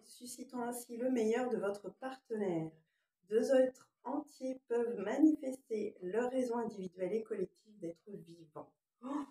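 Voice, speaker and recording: A woman's voice: on the high side, mellow, roomy sound. A woman with a lingering cough giving an informal spiritual card reading, moving between read-out passages and hesitant, musing asides. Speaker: oracle card reader.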